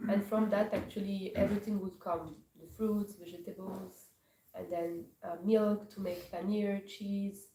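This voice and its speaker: A woman teaches a scripture class in a mellow, soft-edged voice. She halts often and gropes for words. She sounds set back from the mic in a roomy, echoing hall with a faint hiss behind her. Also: mid-range voice, steady tone. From Morocco. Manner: hesitant, searching for words with many pauses. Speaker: class speaker. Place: temple hall. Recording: echoey hall from far off, faint noise.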